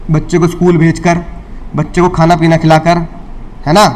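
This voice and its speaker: A man's voice: on the high side, little pitch movement, moderate pace, a little hiss or hum. A man teaching law to a class. He asks questions and answers them himself, repeats key lines and slips English legal terms into his Hindi. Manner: scolds and teases students. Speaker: law lecturer. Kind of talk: classroom lecture.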